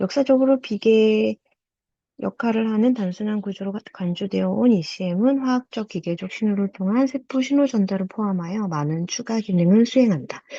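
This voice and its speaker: Her tone dark and mellow, a woman speaks at a moderate pace with ordinary pitch variation, in a dry, close sound with no echo and a quiet background. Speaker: study group member. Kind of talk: reading aloud.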